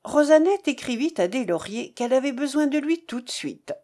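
A woman narrating a novel in an expressive, measured reading. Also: high voice. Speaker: audiobook narrator.

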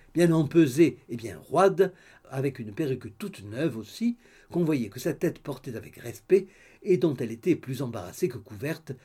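A man narrating a classic novel as an audiobook in a measured storytelling manner. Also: mid-range voice, warm tone, breathy edge.

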